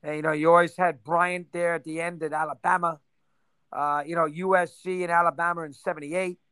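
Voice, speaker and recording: A man in his sixties, reminiscing in a casual interview, rambling and rattling off names in quick bursts. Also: a little high, level tone, pushed and bright, clear, resonant tone, dry recording. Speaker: interview guest.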